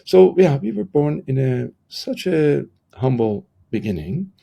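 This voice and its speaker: Gravelly, husky middle-aged Iranian man. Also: medium pitch, very animated, unhurried, dark tone. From Iran. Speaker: podcast guest, transformational coach. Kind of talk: reflective personal storytelling in an interview.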